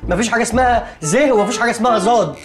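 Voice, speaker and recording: A man's voice: very high-pitched, rapid-fire, music in the background. A man with an Egyptian accent playing a flustered young man who keeps losing patience. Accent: Egyptian Arabic. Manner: patient at first, then exasperated and shouting. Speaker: young man hosting a friend and a classmate. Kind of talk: sitcom acting.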